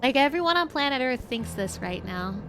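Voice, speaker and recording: A woman streamer with a high-pitched voice, chatting in a bubbly, giggly way between game dialogue. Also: big pitch swings, normal speed, fairly bright tone, soft background music. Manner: bubbly, giggly, filler-heavy chat. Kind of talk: casual chat while reading game dialogue.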